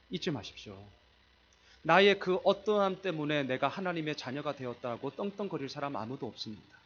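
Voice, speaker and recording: Male pastor, sermon delivery, fairly high and very animated pitch, emphatic with rhetorical questions, dull lo-fi church recording. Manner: emphatic, rhetorical questions, swings between loud and hushed. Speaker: senior pastor. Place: church sanctuary.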